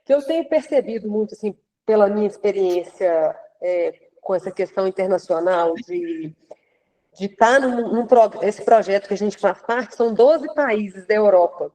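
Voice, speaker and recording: A woman's voice: mid-range voice, lively intonation, moderate pace, warm tone, low-quality recording. A woman, hosting an interview and asking long, hesitant questions full of restarts. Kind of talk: casual interview chat.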